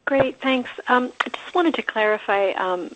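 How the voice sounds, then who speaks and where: A woman's voice: a little high, measured pace, fairly bright tone. A woman, a financial analyst, asking questions politely and somewhat hesitantly on an earnings call. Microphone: conference call line. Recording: dull, dry conference call audio.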